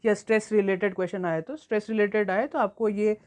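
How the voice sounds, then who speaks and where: A woman teaching an exam-prep lesson, reading English textbook lines slowly and then explaining them at length. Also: medium pitch, steady tone, darkish tone.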